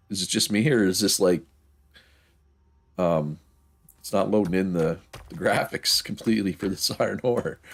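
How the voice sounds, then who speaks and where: A man's voice: lowish voice, vocal fry, breathy edge. A man streaming a factory-building game, thinking aloud casually with a stuffed-up nose and frequent chuckles. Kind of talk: casual gameplay commentary.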